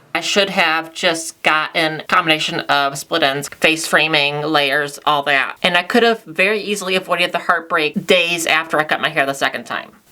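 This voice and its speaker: With hardly any pauses, a woman speaks in a fairly low pitch with fairly even intonation over noticeable background noise. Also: moderate pace. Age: 30s. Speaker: vlogger. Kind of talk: casual talk to camera.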